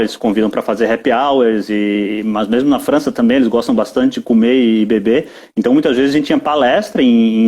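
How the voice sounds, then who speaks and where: A man's voice: medium pitch, darkish tone, breathy edge. A young Brazilian man in a casual live chat, often repeating words as he talks. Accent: Brazilian Portuguese. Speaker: guest.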